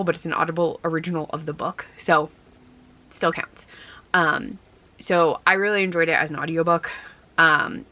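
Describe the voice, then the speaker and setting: A young woman chats casually to her camera, rambling with plenty of ums. She sounds congested and worn out, with a bright, forceful edge to her voice. Her pitch sits a little low for a woman. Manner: rambling, conversational, frequent ums. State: congested and tired. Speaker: vlogger. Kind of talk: casual vlog chat.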